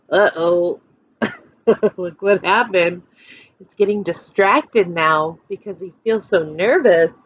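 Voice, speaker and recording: A woman teacher reads a children's picture book aloud with expression, pausing to explain things and ask young listeners questions. Her voice sits in the mid range, and the lo-fi recording has no echo.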